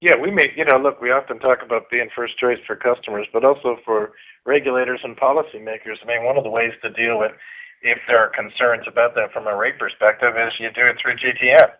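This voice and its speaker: A man's voice: mid-range voice, steady tone, fast. A man, a company executive, giving informal, emphatic business answers and searching for his words. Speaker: company executive on an earnings call. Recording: dull band-limited conference call audio.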